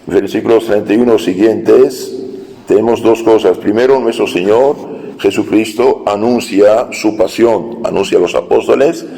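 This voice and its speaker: A priest preaching a sermon, telling a Gospel story in a slow homily with hesitations. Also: male voice, fairly low pitch, warm tone, in a large hall, rough recording.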